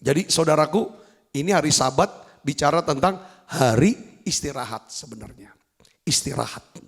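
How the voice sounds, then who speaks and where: A male pastor delivers a sermon with emphatic, direct appeals to his listeners. His voice sits fairly high, with a gravelly, husky grain. Faint music plays underneath. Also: lively intonation, normal speed, big-room sound. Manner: emphatic, repeatedly addresses the congregation.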